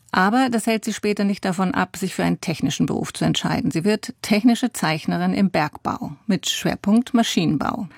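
A woman reporter narrating a radio feature in a measured storytelling manner, recorded in a studio. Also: lowish voice, gravelly, darkish tone, no room sound.

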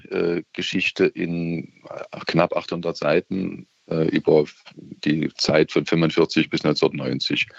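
A middle-aged man with a Saxon German accent calls in to a radio show while on holiday by the sea, chatting casually but hesitantly, full of fillers and restarts. His bass voice is husky, with vocal fry. The recording is lo-fi and has no echo.

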